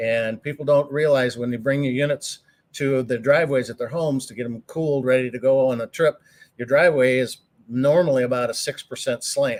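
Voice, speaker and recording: A man with a plain, everyday voice and a medium pitch speaks at a fairly quick pace, with big swings in loudness. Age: 60s. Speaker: RV industry expert. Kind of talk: live Q&A on a talk show. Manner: conversational with many fillers.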